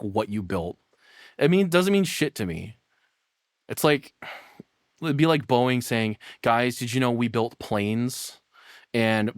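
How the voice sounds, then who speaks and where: A man giving casual, rambling reaction commentary as a streamer, sarcastic and quick to swear. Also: medium pitch, no room sound, studio quality.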